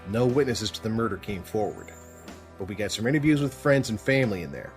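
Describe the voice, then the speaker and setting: An actor playing a gruff, irritable police sergeant with a military past, brusque and commanding, in an audio drama. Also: male voice, on the low side, animated, quick pace, faint music behind. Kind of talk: full-cast audio drama acting.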